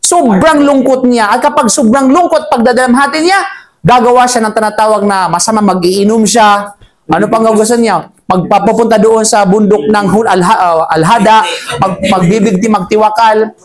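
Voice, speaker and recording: Teaching Quran commentary to a live audience, a woman keeps a lively, chatty tone that rises sharply when she stresses a point. Between her explanations she quickly chants Arabic verses, and she jokes with the group.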